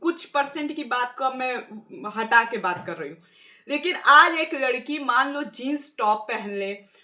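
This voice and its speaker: A woman speaks in a raised, projected voice. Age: 30s. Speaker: video blogger on social issues. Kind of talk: opinion monologue. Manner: animated.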